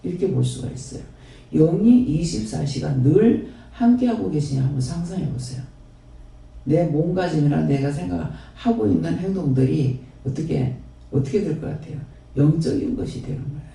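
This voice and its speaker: A man's voice: a little high, expressive, normal speed, creaky, warm tone. A man with a Gyeongsang accent preaching a rambling, repetitive, folksy sermon and then praying, as a pastor. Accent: Gyeongsang Korean. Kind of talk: sermon and closing prayer. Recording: very echoey hall, distant mic.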